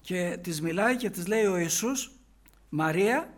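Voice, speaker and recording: A man preaching a sermon, retelling a gospel passage and explaining it with rhetorical questions. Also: high voice.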